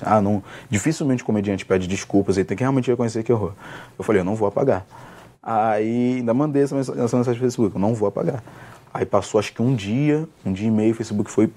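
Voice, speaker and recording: A young man, a stand-up comedian telling stories in a casual interview, with many restarts. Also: lowish voice. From Rio de Janeiro, Brazil. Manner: fast, relaxed storytelling with many restarts and fillers.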